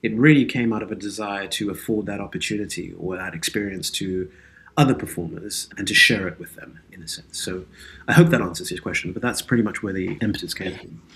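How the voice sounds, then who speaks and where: Male, lower-pitched voice; thoughtful, articulate interview guest with an earnest delivery. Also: fairly quick, pushed and bright. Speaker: interview guest, actor and audio drama creator. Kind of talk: reflective interview conversation.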